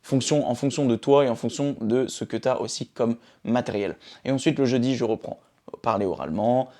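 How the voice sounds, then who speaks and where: A young French vlogger talks informally into his phone camera about his daily routines in a casual self-help style, often checking in with the viewer. His voice is medium-pitched and dark in tone, and he speaks a little fast.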